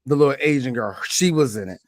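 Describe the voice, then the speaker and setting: A man co-hosting a podcast in casual chat, animated and joking, swearing freely. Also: medium pitch, quick pace, dry recording, studio quality. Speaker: podcast co-host.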